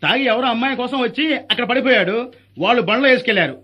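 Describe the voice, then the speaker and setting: A man's voice: extremely high pitch, very fast, bright, forceful tone, husky. A man in a comedy sketch, scolding and confronting the other speaker. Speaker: comic actor in a hospital sketch. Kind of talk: comic dialogue sketch.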